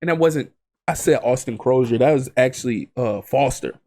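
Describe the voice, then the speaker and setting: A man's voice: mid-range voice, normal speed. A congested man getting over an illness, casually commenting on a basketball video game simulation and rattling off player stats. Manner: reels off stats, chatty and excitable. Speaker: gaming channel host.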